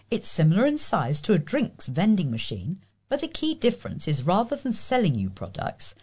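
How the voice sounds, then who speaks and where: A woman's voice: deep voice, darkish tone. A woman reading local news and columns aloud as a volunteer reader.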